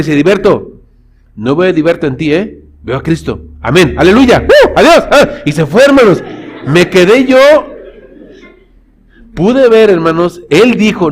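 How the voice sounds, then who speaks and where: A man's voice: high voice, a little hiss or hum. A man, a pastor preaching a sermon in church, telling stories and calling the congregation brothers. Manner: storytelling, addresses congregation as brothers.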